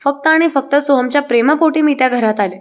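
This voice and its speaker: A woman's voice: sits high, fast talker, close to an everyday voice. A woman reading the lines of a tearful young wife who complains and pleads, in a plain reading voice. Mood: tearful complaint. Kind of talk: reading a serial recap aloud.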